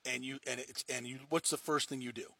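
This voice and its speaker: A man's voice: medium pitch, steady tone, fairly quick, bright, forceful tone. A man hosting a sports talk show, ranting heatedly and emphatically in casual talk, mocking the people he quotes.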